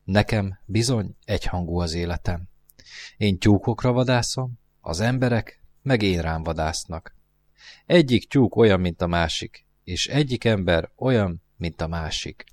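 A man's voice: sits low, a little mellow. A man voicing a lonely, wistful male fox who talks in an earnest, musing way in a storybook reading. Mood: pleading.

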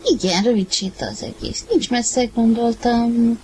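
A woman reading a wife's lines in a story, soft and often hushed. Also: on the high side, noisy background. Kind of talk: dramatized audiobook reading.

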